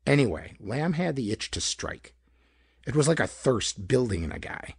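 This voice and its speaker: A man narrates pulp detective fiction in a rough-edged voice. His pitch moves expressively as he tells the story with dramatic flair. The sound is dry, with hardly any room around it. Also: very animated, moderate pace, dry recording. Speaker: audiobook narrator.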